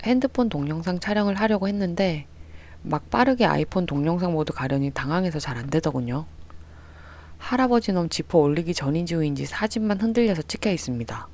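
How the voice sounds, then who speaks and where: A story radio host reading a submitted real-life story aloud, with an even reading voice that rises and gets louder on quoted lines. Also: mid-range voice, fairly quick. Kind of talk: scripted narration of a reader's story.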